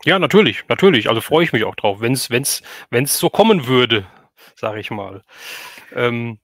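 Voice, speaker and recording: Bright-voiced man hosting a casual chat. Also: mid-range voice, sing-song, normal speed, dry recording, clean studio sound. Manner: rambling questions, frequent affirming interjections. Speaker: livestream host, interviewer.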